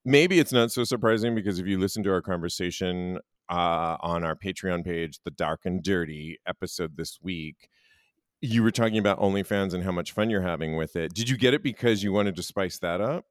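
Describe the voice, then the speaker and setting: A man hosts a podcast in a casual, chatty style, his low voice brisk. The recording is dry, with clean studio sound.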